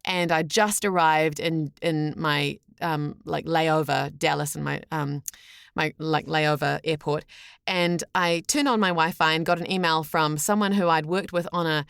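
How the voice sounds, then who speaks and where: A woman with a New Zealand accent chatting as an interview guest, telling anecdotes in a halting, chatty way full of "like". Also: sits low, steady tone, gravelly, fairly bright tone, smooth, no room sound, clean studio sound. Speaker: podcast guest, voice actor.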